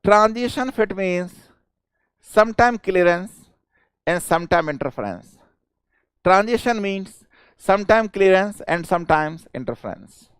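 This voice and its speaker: A man's voice: high voice, lively intonation, a little slow, pauses often, clear, resonant tone, dry recording. A man with a South Indian accent teaching a live online class, informal and coaxing, often repeating his questions and phrases insistently. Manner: chuckling, informal, coaxing students. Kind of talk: live interactive exam-prep lecture.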